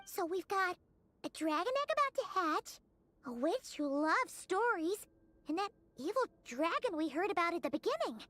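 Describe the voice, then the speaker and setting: Chirpy little game fairy; very high and squeaky, lively inflection. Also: female voice, moderate pace, full character voice. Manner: excited, inquisitive. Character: tiny floating female fairy companion, chirpy and curious. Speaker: game character.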